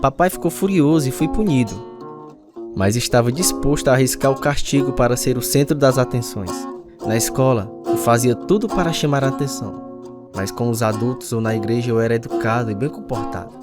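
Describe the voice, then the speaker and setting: Radio drama narrator male actor, Brazilian, older man reminiscing in first person, medium pitch, loud music bed. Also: fairly quick, lightly acted. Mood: reflective. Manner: reflective, storytelling. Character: reflective older man telling his life story.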